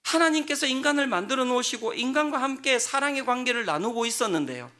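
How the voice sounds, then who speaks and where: A man preaching a revival sermon as pastor, acting out biblical speakers in dramatic voices and rising to loud emphasis. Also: very high-pitched, animated, fast. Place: church sanctuary.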